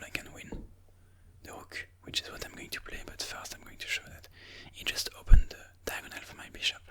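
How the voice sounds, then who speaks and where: A person whispering ASMR game commentary in a breathy, mostly unvoiced voice, slowly and soothingly thinking aloud. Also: bright, forceful tone. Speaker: ASMR chess video host.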